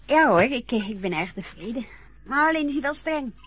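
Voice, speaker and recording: A woman's voice: fairly high pitch, expressive, fairly quick, a little hiss or hum, natural voice. An actress in a radio play voicing a young woman who lip-syncs and dreams of stardom, talking eagerly and hesitating with many fillers. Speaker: lip-sync performer. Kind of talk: Dutch radio play acting. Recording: dull lo-fi radio play recording.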